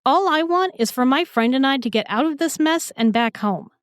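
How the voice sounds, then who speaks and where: A woman's voice: high-pitched, lively intonation, moderate pace, no room sound, clean studio sound. A woman playing a feisty, sarcastic young sidekick in a fantasy audio drama, slangy and defiant. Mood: scornful.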